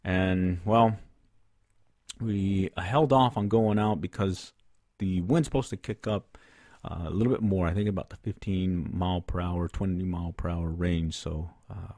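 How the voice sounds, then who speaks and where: Middle-aged man, fishing podcast host, low voice, rambling with lots of fillers, close studio mic, dry sound. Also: dark tone, no echo. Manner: rambling, many "uh" fillers and restarts. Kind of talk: casual solo podcast recap. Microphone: studio condenser mic on stand, close.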